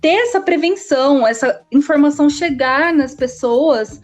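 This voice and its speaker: A woman's voice: sits high, moderate pace, soft background music. A young woman with a Brazilian Portuguese accent, a speech therapy student, explaining vocal care as a podcast guest in a didactic tone. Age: young adult.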